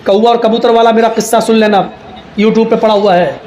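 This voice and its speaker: A man preaching a humorous storytelling sermon, animated and breaking into shouts for emphasis. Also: sits high. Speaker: Islamic preacher. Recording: echoey hall, faint background noise.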